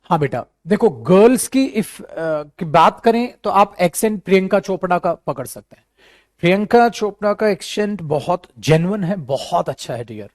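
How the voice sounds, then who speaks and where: A man's voice: high voice, normal speed, no echo, studio quality. A man teaching a live spoken English class, chatty and repetitive, calling his students "beta". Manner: addresses students as beta, repeats himself, chatty and animated.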